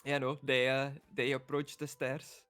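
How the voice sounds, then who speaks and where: A man's voice: mid-range voice, flat delivery, a little slow, fairly bright tone, clear, resonant tone, no echo. A man running a tabletop game as game master, narrating casually with lots of fillers and laughs.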